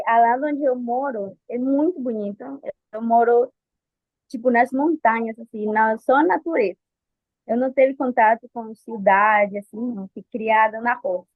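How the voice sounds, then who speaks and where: Nervous and hesitant, a woman in her twenties from Colombia keeps restarting as she answers personal interview questions in Portuguese, a second language she speaks with a Colombian Spanish accent. Her voice sits on the high side and her pace is a little slow. There's no echo on the dry, phone-like recording.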